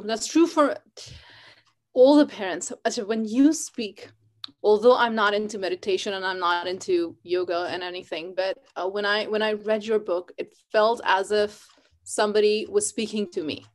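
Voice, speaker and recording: A woman's voice: mid-range voice, steady tone, moderate pace. A woman in her thirties from Pakistan, an Urdu speaker, hosting a live interview over a video call from home with many fillers. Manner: warm, earnest, many fillers. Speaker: host. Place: home room, indoors.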